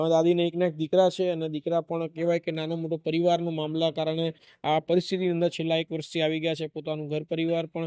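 A man speaks at a fairly high pitch in a monotone, flat delivery. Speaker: charity worker. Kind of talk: street interview and outreach; appeal to viewers. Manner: warm, reassuring.

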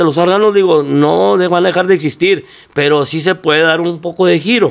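The background is quiet. A man speaks in a high pitch. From Nuevo León, Mexico (Apodaca, Monterrey area); Nuevo León, Mexico. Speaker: norteño musician; interview guest. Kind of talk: interview. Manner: halting, frequent repetitions. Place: studio. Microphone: studio mic.

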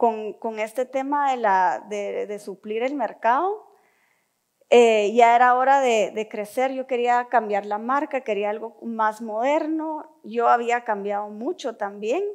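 Against a quiet background, a woman with a fairly high pitch talks at a very slow pace with ordinary pitch variation. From Guatemala. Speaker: entrepreneur, healthy food business founder; guest. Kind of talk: talk to an audience. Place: hall. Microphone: headset.

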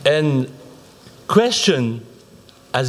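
A man is speaking. His pitch swings very widely. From Switzerland. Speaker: conference moderator, history professor. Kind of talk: formal conference moderation. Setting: conference hall with audience. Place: hall. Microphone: podium.

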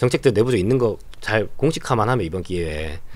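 A man with a fairly low pitch talks fairly quickly, his pitch swinging very widely. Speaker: asset management CEO and activist investor; guest. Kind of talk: interview. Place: studio. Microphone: studio mic.

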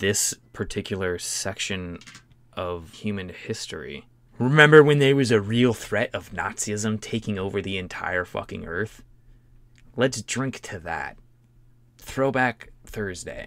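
At a fairly slow pace, a man speaks in a fairly low voice with ordinary pitch variation. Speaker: reaction video host. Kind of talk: comedic reaction commentary. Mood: sarcastic, joking. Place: home room.

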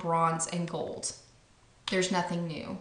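A woman speaks at a fairly quick pace in a flat monotone. Audible room echo surrounds her voice. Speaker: beauty vlogger. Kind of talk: casual vlog chat.

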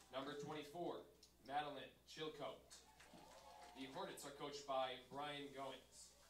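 Over light background noise and audible room echo, a man with a fairly high voice speaks at a very slow pace, his intonation fairly even. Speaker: stadium PA announcer. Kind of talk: reading lineups over PA. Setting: PA system. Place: stadium.

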